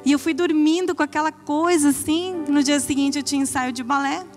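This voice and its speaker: A woman's voice: high-pitched, steady tone, brisk, soft background music. A young woman giving a church testimony, telling her story earnestly and acting out her own past words. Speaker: pastor's wife giving testimony.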